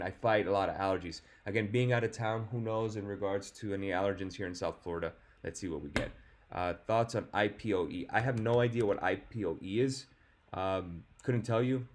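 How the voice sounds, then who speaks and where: A man hosting a casual market commentary stream, answering viewer questions in a relaxed, offhand way, his voice a bit hoarse from a sore throat. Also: lowish voice. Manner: relaxed, chatty and offhand, with fillers. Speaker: stock market show host. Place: hotel or temporary spot, away from home.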